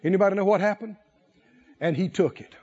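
A man's voice: high-pitched, brisk, darkish tone, highs cut off. A man preaching a sermon in a church, telling the story in a folksy way and calling for responses from the congregation. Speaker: pastor.

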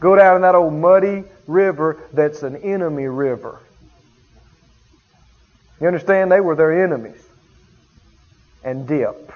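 A man's voice: on the high side, a little slow, long pauses. A male pastor preaching a sermon in an emphatic, repetitive storytelling way. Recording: dull lo-fi sound.

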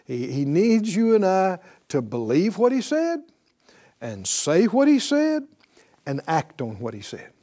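Animated preacher man leading call-and-response. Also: high-pitched, a little slow. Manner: exhorting, call-and-response with congregation; repeats phrases for emphasis. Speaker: pastor. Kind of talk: sermon.

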